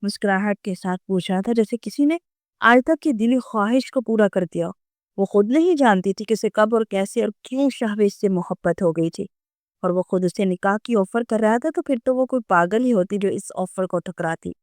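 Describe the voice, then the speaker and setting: A woman narrating a romance novel audiobook in a steady dramatic storytelling voice. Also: mid-range voice, no room sound, studio quality.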